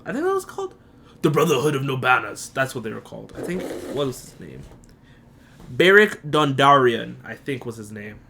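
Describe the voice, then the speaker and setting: A young man hosting a casual solo podcast, profane and animated, leaping into high excited squeals and then dropping to low muttered asides. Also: normal speed, vocal fry, noisy background. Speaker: podcast host.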